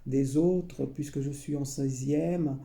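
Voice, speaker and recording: Slow gravelly man. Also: medium pitch, steady tone, mellow, roomy sound. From Portugal. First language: Portuguese. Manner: hesitant, many pauses and repeated phrases. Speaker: memoir narrator. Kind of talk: slow personal recollection.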